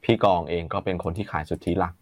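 Fast low-voiced man reading market flows. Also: fairly even intonation, dry recording. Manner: rattles off stock figures and tickers. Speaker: market analyst co-host. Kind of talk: casual market talk show.

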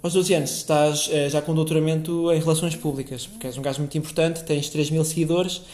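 A man's voice: a little high, level tone, brisk, darkish tone. A young man with a European Portuguese accent hosting a casual solo podcast, rambling and swearing freely with lots of filler words. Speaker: podcast host. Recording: echoey room.

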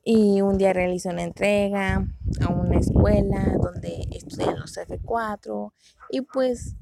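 A woman's voice: medium pitch, steady tone, a little slow, gravelly, very noisy. A young Mexican woman chatting casually about dramas and dating limits, slangy and self-mocking. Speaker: vlogger.

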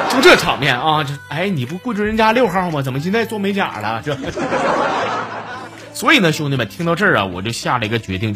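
A man with a Northeastern Mandarin accent hosting a comedy show, telling funny stories and reading out listeners' jokes with a teasing, chuckling delivery. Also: a little high. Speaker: podcast host.

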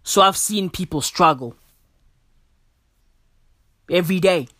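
A young South African man gives casual solo podcast commentary in slang, calling his listener "bro" and "bruv." He takes it slowly in a high-pitched voice that sounds pushed and bright, recorded dry on a podcast mic at studio quality.

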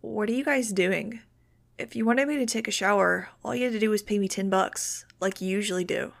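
A woman's voice: mid-range voice, brisk, gravelly, close to an everyday voice. A woman voicing a groggy, irritable, sardonic teenage boy for an audiobook, in a grumbling manner. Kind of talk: audiobook character voice.

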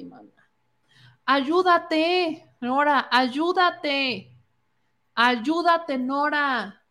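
A woman's voice: on the high side, fairly bright tone. A woman with a Mexican accent giving opinionated political commentary, indignant and sarcastic, mocking the people she quotes.

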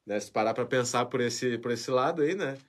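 Hosting a live show, a man with a mid-range voice talks briskly while reading viewer comments. He sounds emotional and chatty, giving a warm goodbye peppered with "né?" and other tag questions.

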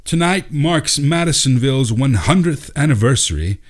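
A man's voice: medium pitch, expressive, normal speed, voice pushed up, natural voice. A man voicing a grandiose theater director who addresses a town crowd with theatrical, announcer-like proclamations in a storybook reading. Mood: grand, proclaiming.

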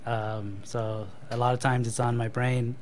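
A man answering interview questions at a mid pitch, slow to find his words, with pauses and fillers throughout. His tone is modest and reflective. Faint background noise sits behind him. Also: level tone. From born in Thailand to Cambodian parents, raised in Canada. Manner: hesitant, many ums and uhs, thoughtful pauses. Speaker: marketing manager and guest.

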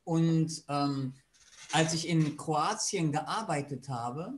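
Guest, male, slightly higher voice, steady and plain-spoken. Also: takes it slowly, slight background noise. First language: German. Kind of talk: casual interview answers.

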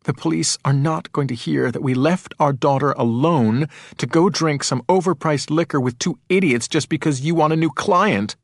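A frantic young mother , as acted by a male audiobook narrator, fiercely protective and sharp-tongued. The voice is pushed higher and comes out emphatic and snapping, in a close, dry recording. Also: slow, hardly any pauses, dry recording. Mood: angry, scolding. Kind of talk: audiobook character acting.

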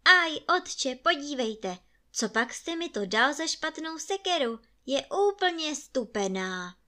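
A clever young lad, voiced by a woman reading a fairy tale, speaking high and eager. He coaxes and pleads earnestly, with a youthful lift in every line. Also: animated, sharp tone. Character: clever, eager young boy, the woodcutter's son.

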